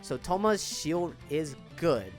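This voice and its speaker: A man's voice: fairly high pitch, very animated, takes it slowly. A man giving casual, informal commentary on a video game as a content creator, often stressing his words. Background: background music.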